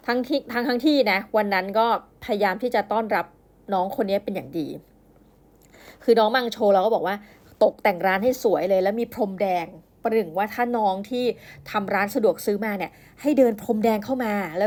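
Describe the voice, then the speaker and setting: A woman hosting a podcast, casually reviewing a novel and retelling its plot, acting out the characters' lines in a higher voice. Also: darkish tone. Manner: chatty, acts out characters' lines with raised pitch.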